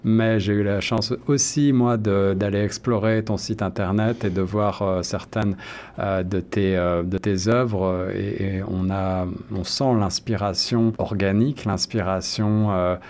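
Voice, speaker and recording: A man's voice: lowish voice, fairly even intonation, unhurried, a little mellow. A man hosting a radio interview in a studio, friendly, with frequent hesitations and restarts. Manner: friendly, many fillers and restarts. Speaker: radio host.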